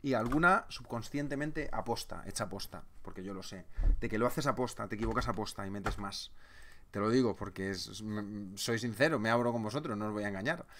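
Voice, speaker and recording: A man's voice: fairly low pitch, brisk, a bit bright, slight background noise. A man from presenting a live trading webinar, chatty, retelling stories and answering viewers' comments.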